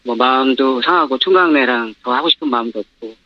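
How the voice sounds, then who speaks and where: A man with his voice disguised by a pitch-shifting modulator, calling in as an anonymous former store owner and talking hesitantly with many fillers. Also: a little fast, no room sound. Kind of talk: phone-in news interview. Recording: dull phone line.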